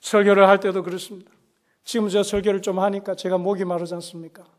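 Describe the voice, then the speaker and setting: A man preaching a sermon as a pastor, emphatic and repeating key phrases, swinging between loud exclamations and hushed asides. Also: sits high, little pitch movement, fast. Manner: repeats key phrases and puts questions to the congregation. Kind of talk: Korean Protestant sermon. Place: church service.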